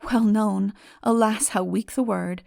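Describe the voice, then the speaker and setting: A woman reading a literary story as a dramatic audiobook narrator, solemn, measured and expressive. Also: medium pitch, creaky, no echo, studio quality.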